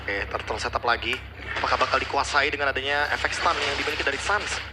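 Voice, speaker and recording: A man's voice: medium pitch, fast talker, heavy background noise. An Indonesian-accented man commentating analytically on a game as an esports co-caster.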